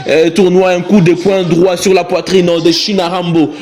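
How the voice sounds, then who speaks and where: A man's voice: sits high, flat delivery, normal speed, darkish tone. A man with a Congolese French accent giving live play-by-play commentary of a wrestling match, repeating phrases and exclaiming.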